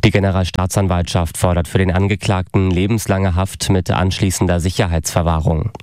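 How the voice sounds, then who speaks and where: A man with a very low voice reads the radio news in a measured, even way. The sound is close and dry, with no room around it. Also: smooth, no echo. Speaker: newsreader. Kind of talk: scripted radio news reading.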